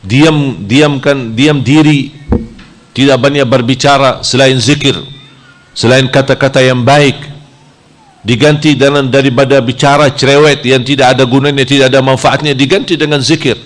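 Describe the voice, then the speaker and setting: A man from Saudi Arabia, preaching a sermon in a lively style whose pitch jumps high when he plays out temptations. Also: normal speed.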